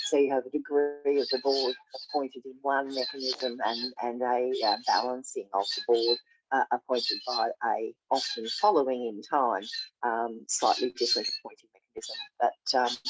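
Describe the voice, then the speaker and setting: A woman's voice: a bass voice, noisy background. A woman speaking at an online forum over a video call, losing her voice, offering rambling, hedged remarks with many fillers. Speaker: forum participant. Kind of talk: meeting remarks.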